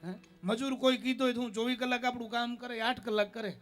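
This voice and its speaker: A man with a Kathiawadi Gujarati accent giving a devotional discourse full of folk stories, often checking in with his listeners with a quick "eh?". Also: extremely high pitch, steady tone, fairly bright tone, soft background music. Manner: keeps asking listeners "eh?" as a tag; folksy, storytelling delivery. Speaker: spiritual discourse speaker.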